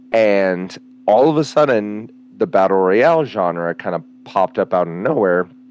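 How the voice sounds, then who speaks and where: A man's fairly low-pitched voice comes through with noticeable background noise behind it. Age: 30s. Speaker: gamer guest. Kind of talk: casual chat.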